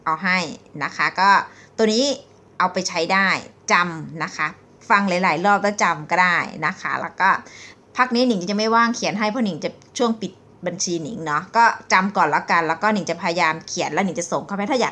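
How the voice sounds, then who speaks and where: A bright, clear-toned young woman from Thailand gives a casual English lesson. She chats and rambles, then reads English phrases slowly and explains them. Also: lowish voice. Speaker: English tutor. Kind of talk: casual vlog-style language lesson.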